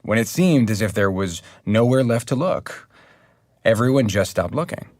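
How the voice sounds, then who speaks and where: An actor playing an earnest podcast journalist, narrating a true crime documentary in a measured, serious way. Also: male voice, on the low side, animated, darkish tone, no echo, clean studio sound, close to an everyday voice. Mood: earnest, intrigued.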